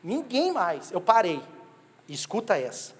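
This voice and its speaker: High-voiced Brazilian pastor, animated and joking. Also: male voice, a little slow. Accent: Brazilian Portuguese. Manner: humorous, animated storytelling that jokes with the congregation. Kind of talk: sermon. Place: church sanctuary. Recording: long reverb of a church hall.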